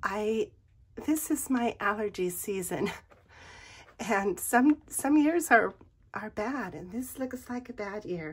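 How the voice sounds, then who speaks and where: Fairly high, somewhat breathy female voice at a very slow pace, with long, frequent pauses. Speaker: crafting YouTuber. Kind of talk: tutorial. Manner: halting.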